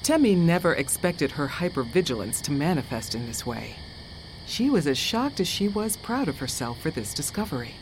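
A woman's voice: low voice, big pitch swings, moderate pace, background noise. A woman performing scripted narration as the solemn storyteller of an eerie audio drama. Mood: expository. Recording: clear cricket and animal ambience behind.

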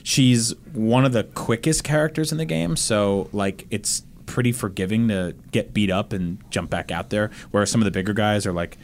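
A man's voice: on the low side, normal speed, few pauses, slight background noise. A man chatting casually as a panelist on a gaming podcast, telling stories with self-deprecating asides.

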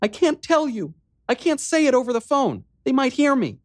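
A woman's voice: high-pitched, sing-song, moderate pace, no echo, studio quality, pitched above the performer's own voice. A man voicing a terrified young woman who whimpers and sobs hysterically.

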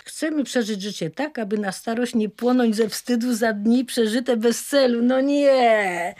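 A woman's voice: on the high side, measured pace, a little mellow. An older woman reminiscing in a documentary style.

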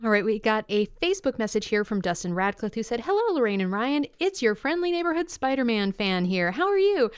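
A woman's voice: fairly high pitch, sing-song, fairly quick, hardly any pauses, smooth, dry recording. A woman co-hosting a podcast in casual chat, upbeat and enthusiastic as she reads out listener messages on a studio mic. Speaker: podcast co-host.

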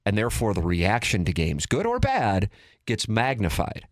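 A man's voice: fairly low pitch, huge pitch swings, normal speed, no echo, clean studio sound. A man hosting a sports talk show, giving strong opinions in casual chat and restarting his sentences as he thinks aloud. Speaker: sports radio host.

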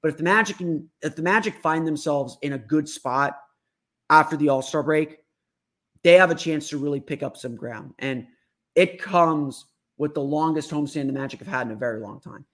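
Hoarse man talking basketball. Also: on the high side, moderate pace, fairly bright tone. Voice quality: raspy. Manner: rambling, repeats words and restarts. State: hoarse, under the weather. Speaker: sports podcast host. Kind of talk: casual sports talk.

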